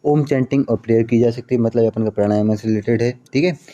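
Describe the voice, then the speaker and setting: A man's voice: mid-range voice, fast talker, dark tone, highs cut off. A young man teaching an exam-prep lesson in a chatty way, repeating key terms and slipping in English phrases. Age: young adult.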